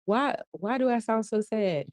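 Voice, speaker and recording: Woman, chatting on a livestream, keeping her voice down in a co-working space, mellow lowish voice, dry close sound. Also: expressive, measured pace, no room sound. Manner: chatty, reads viewer comments aloud, laughs often; speaking softly to keep her voice down. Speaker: livestream host. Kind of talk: casual livestream chat with viewers. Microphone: earphones mic.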